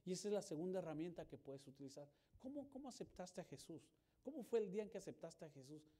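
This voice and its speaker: A male pastor preaching a sermon, swinging from loud emphasis to hushed storytelling and acting out the dialogue he quotes. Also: sits high, very animated, fast talker. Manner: acts out quoted dialogue in his telling.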